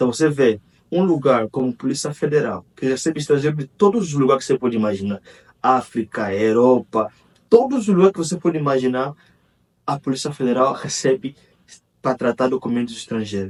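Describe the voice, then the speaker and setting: In an ordinary speaking voice, a man talks at a fairly quick pace with lively intonation, the sound dry and close with no echo. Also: medium pitch for a man. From Angola. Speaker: English teacher. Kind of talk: educational video monologue.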